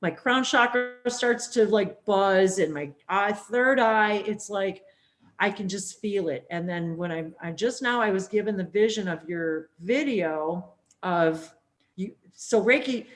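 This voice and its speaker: A woman hosting a spiritual interview, talking in a rambling, animated way with plenty of fillers. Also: mid-range voice, unhurried. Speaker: host. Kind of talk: casual spiritual interview chat.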